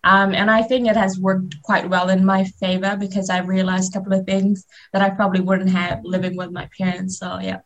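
A woman's voice: mid-range voice, flat delivery, brisk, highs cut off, slight background noise. Chatty young woman from Fiji. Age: 20s. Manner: chatty and self-deprecating, laughs easily. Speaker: interview guest. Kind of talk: casual radio interview.

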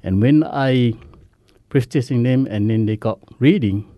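A Samoan man, whose first language is Samoan, speaking earnest, halting English as a guest in a radio interview. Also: mid-range voice, mellow, no room sound. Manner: earnest, halting, simple non-native English. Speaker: guest sharing recovery story.

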